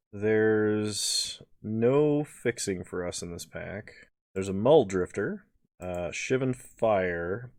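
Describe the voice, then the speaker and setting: A sleepy man giving casual gameplay commentary, thinking aloud as he weighs each choice. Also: on the low side. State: sleepy, yawning. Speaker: video creator drafting cards.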